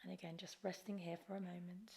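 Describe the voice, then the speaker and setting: A woman guiding a Kundalini yoga class as the teacher, giving gentle, encouraging, unforced instructions. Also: fairly low pitch, little pitch movement, quick pace, gravelly, husky.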